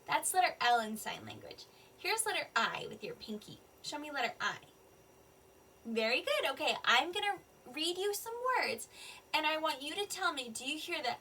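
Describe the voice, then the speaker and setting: A woman teaching an online kindergarten reading lesson, talking slowly and clearly in a sing-song voice to small children. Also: high-pitched, pushed and bright, a little hiss or hum. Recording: slightly distant mic with faint room ambience.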